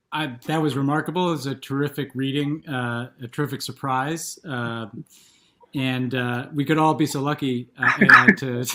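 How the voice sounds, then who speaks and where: A man with a slightly high voice hosts an interview conversationally. He phrases things in a halting, thoughtful way as a moderator. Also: sharp tone.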